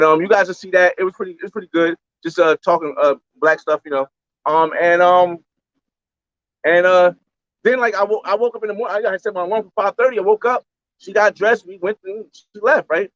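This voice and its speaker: A man with a high voice for his sex tells a long story in loose, slangy talk, circling back to repeat himself. The sound is dry and a little dull and lo-fi. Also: fast, fairly bright tone, no echo. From United States. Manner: rambling, slangy, repeats phrases. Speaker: travel vlogger. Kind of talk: casual storytelling on a livestream.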